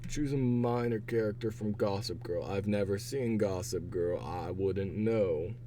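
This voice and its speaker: Hoarse young man with a raspy voice. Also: on the low side, a little slow, mellow, slight background noise. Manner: chatty, rambling, laughs to himself. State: hoarse, voice partly gone. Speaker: streamer. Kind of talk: casual chat while taking online quizzes.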